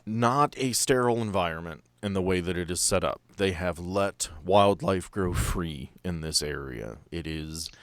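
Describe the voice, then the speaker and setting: Game master, male, low register, relaxed improvised storytelling with playful touches, very dry studio-like sound. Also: moderate pace, hardly any pauses, no room sound. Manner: playful, conversational. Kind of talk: casual improvised tabletop narration.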